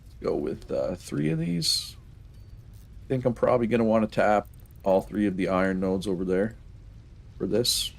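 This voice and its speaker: A man's voice: on the low side, normal speed, creaky, pauses often. A man streaming a factory-building game, thinking aloud casually with a stuffed-up nose and frequent chuckles. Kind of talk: casual gameplay commentary.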